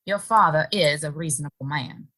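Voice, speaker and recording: A woman playing a loyal, quietly defiant saloon bartender in a Western audio play, speaking in a guarded way. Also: sits low. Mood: guarded, defensive. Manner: measured, guarded, sighing.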